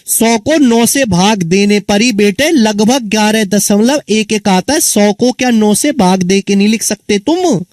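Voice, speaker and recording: A man's voice: high voice, darkish tone, dry recording. A man teaching an exam-prep maths lesson, who keeps repeating answers and asking his students questions. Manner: calls students children and friends.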